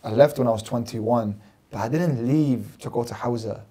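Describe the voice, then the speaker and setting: A mellow-voiced, emphatic man from London speaks at medium pitch and moderate pace, with a breathy edge. He is a guest religious scholar on a podcast, earnestly explaining and repeating phrases in lists. He sits in a small studio set with plants, using a desk mic on a stand.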